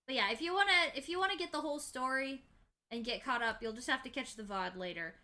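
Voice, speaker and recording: A woman's voice: high-pitched, lively intonation, quick pace. A young woman hosting a casual game livestream, bubbly and rambling. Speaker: livestream host. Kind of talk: casual game stream chat. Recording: live stream with loud game music.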